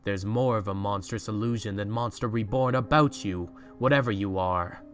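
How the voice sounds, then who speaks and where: A man as a haughty, low-voiced young tycoon. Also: normal speed, faint music behind, natural voice. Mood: defiant disbelief. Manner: curt, haughty, dismissive. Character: arrogant, cold, skeptical young male business tycoon. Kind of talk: fan audio drama acting.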